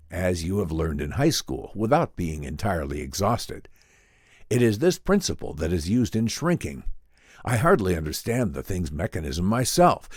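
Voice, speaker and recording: A man puts on a learned male professor with a low voice and animated intonation. He explains things formally and earnestly, choosing his words with deliberate care, in the manner of an old-time radio drama. The sound is close and dry. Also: dry recording.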